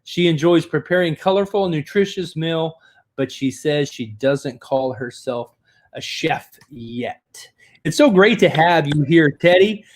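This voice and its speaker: An enthusiastic male host introduces his guest and leads the interview. His voice sits a little higher than most men's. He sounds upbeat and keeps things moving. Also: lively intonation, unhurried.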